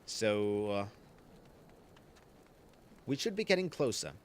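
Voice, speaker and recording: A man's voice: fairly low pitch, very animated, slow pace, a little hiss or hum. A man streaming a game, chatting casually and explaining the mechanics as he plays, often restarting his sentences. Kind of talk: casual gaming commentary.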